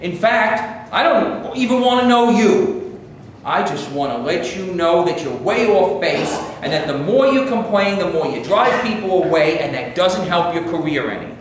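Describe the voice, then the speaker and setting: A man's voice: high-pitched, lively intonation, normal speed. A man playing a curt, dismissive white actor. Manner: curt, condescending. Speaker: actor in a staged reading. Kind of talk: staged play reading. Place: stage before a live audience. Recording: very echoey room, faint noise.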